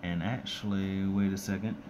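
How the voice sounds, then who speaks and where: A man with a very deep, low voice talks casually to his live-stream viewers. A scratchy throat from a cold leaves him raspy and monotone, and he speaks haltingly, filling gaps with ums and restarting his sentences. A faint hiss sits behind the voice. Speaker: YouTuber doing a live stream. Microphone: close to the screen and device.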